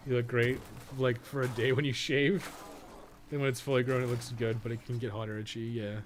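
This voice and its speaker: A man's voice: medium pitch, little pitch movement, a little fast. A young man giving casual live gaming commentary, thinking aloud in a rambling, mildly sweary way. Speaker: game streamer. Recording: noticeable background noise.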